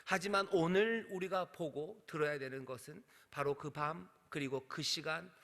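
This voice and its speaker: A male senior pastor preaching a sermon with passion, using dramatic pauses and rhetorical questions. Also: a little high, a bit bright. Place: church sanctuary. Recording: reverberant church hall.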